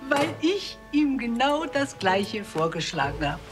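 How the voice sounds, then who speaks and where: A woman's voice: on the high side, big pitch swings, a little slow, faint music behind. A woman acting as an affectionate, persuasive older wife in a naturalistic TV drama, chatty and coaxing.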